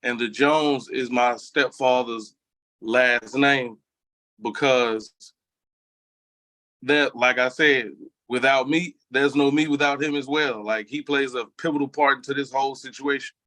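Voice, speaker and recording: A man's voice: mid-range voice, fairly even intonation, a little slow, sharp tone, no echo, low-quality recording. A man from Memphis talks frankly and reflectively as an interview guest. His voice comes through dry and close, without any room sound. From Memphis, Tennessee. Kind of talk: casual interview.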